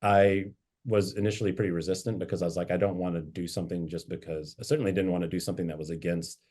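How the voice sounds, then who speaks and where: A man's voice: low-pitched, steady tone, fast, dark tone. A man, a bishop, reflectively telling anecdotes from his life in a conversational interview. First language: English. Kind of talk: interview storytelling.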